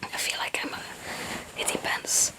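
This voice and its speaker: The recording is rough, and a young woman whispers at a moderate pace in a casual ASMR chat that rambles along. She's a non-native English speaker and ASMR video creator, often hesitant and self-deprecating.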